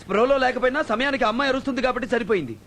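Suspicious, threatening boss; fast scolding delivery with a high pitch. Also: male voice. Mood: stern. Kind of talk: film dialogue. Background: film score.

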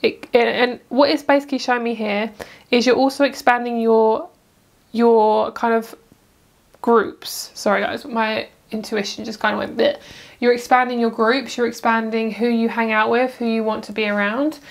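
A chatty woman with a slightly high voice reads tarot cards at home. She rambles cheerfully, stops herself mid-thought and wanders into side comments before getting back on track. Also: little pitch movement, moderate pace, gravelly. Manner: chatty, rambling, self-interrupting with asides. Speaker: tarot reader. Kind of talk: casual pick-a-card tarot reading.

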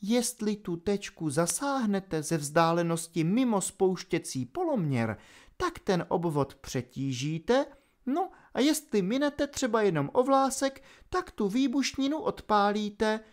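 Give me a scheming female pixie villain from an audiobook, as a man puts her on: a high, hushed voice that drawls each word with cold mockery. She sounds amused and cruel, never raising her voice. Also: big pitch swings. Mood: mocking. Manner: softly taunting, drawn-out.

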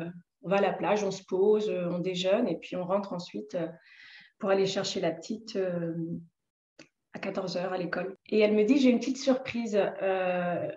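A woman recounts her own experience in a personal testimony. She hesitates, fills pauses and restarts often. Her voice sits in a mid pitch, in a roomy space with slightly dull, muffled sound. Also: a little mellow. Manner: hesitant, many fillers and restarts. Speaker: interviewee sharing a personal story.

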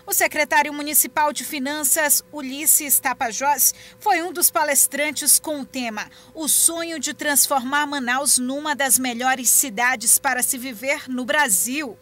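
A woman's voice: high voice, unhurried, few pauses, pushed and bright. A woman reporter narrating a news story in a formal scripted read.

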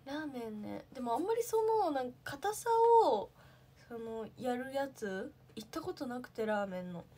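A woman's voice: a little high, expressive, moderate pace, warm tone, breathy edge. A young woman, an idol, chatting casually on a livestream, answering viewer comments and thinking aloud with lots of fillers.

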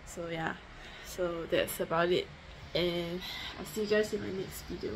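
With a lowish, gravelly voice that stays steady and a little slow, a young vlogger films a casual diet video to camera at home. She's matter-of-fact and rambling, full of fillers and restarts, speaking into a phone held close at arm's length in a noisy recording.

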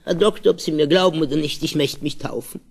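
A man's voice: a little high, fast, creaky. A man voicing a fretful dying old man who speaks plaintively and hesitantly.

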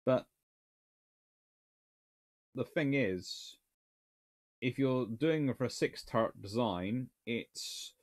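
A man's voice: mid-range voice, expressive, slow pace, long pauses. A man in his thirties, a naval historian answering viewer questions in a casual livestream from a small book-lined room, thinking aloud and restarting sentences as he goes.

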